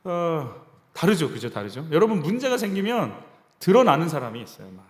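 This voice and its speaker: A man's voice: a little high, very animated, fairly quick. A male pastor giving a sermon in a conversational style, sometimes acting out quoted voices. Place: church sanctuary. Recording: reverberant church hall.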